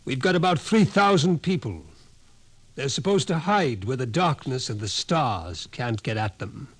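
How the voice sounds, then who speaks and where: Wry, ominous radio-drama professor. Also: male voice, medium pitch, expressive, measured pace, a bit bright, slightly rough. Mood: wry, matter-of-fact. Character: scrawny male psychology professor, wry, ominous doomsayer. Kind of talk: 1950s radio drama acting. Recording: vintage 1950s radio recording.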